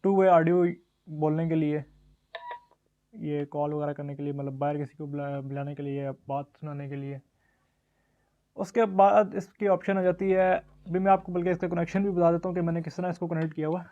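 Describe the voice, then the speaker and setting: A man's voice: fairly high pitch, fairly even intonation, a little fast, mellow, lo-fi sound. A man with a Pakistani accent narrating a casual product unboxing and demo as the presenter. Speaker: shop's product reviewer and presenter.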